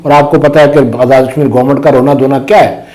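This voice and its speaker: A man's voice: mid-range voice, steady tone, quick pace, darkish tone. A man whose first language is Pahari, commenting on politics and making his points with emphatic rhetorical questions. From Azad Kashmir. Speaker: guest commentator. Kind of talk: political discussion.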